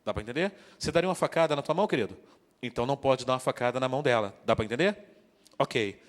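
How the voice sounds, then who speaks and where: A man's voice: medium pitch, expressive, very fast. A man preaching to couples, joking and drawing the congregation into call-and-response. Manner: joking, interactive, calls out to the congregation. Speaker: guest preacher. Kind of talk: sermon. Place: church hall. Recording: long church hall reverb.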